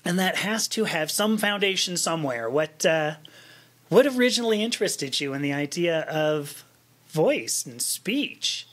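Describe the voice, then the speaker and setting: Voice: mid-range voice, lively intonation, unhurried. A podcast host interviewing a guest over a video call from a home office, chatty and self-deprecating, often restarting sentences. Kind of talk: conversational interview. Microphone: studio mic on a boom arm, video call.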